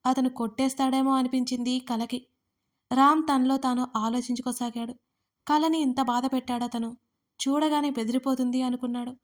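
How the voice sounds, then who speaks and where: Lady narrating an audio story, kinda high voice, pretty flat and steady.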